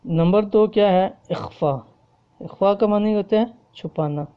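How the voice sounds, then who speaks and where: A woman's voice: mid-range voice, clear, resonant tone, lo-fi sound. A woman teaching Quran recitation rules. She explains patiently, repeats each point, and asks "okay?" to check that her students follow. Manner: recites the Arabic examples slowly and drawn out. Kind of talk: explanatory tajweed lesson.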